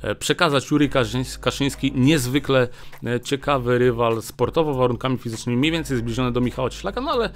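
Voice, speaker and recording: Chatty man hosting a boxing news show. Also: mid-range voice. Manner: chatty, many filler "e" pauses. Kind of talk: casual news commentary. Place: small indoor studio with a boxing backdrop. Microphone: desk mic on a small stand.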